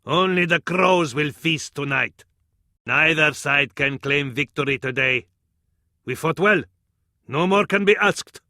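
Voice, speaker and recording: An actor playing a fervent Arab advisor to a sultan in a strategy video game, with an Arabic accent and ornate, theatrical delivery. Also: male voice, a little high, measured pace, pushed and bright, no room sound, clean studio sound. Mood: mournful. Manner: ornate, dramatic, proverb-laden delivery.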